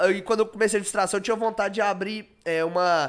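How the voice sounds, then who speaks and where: The recording is very clean, with a silent background. A man speaks in a high voice. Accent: Minas Gerais. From Minas Gerais, Araxá. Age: 20s. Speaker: reality show contestant and influencer. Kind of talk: casual chat.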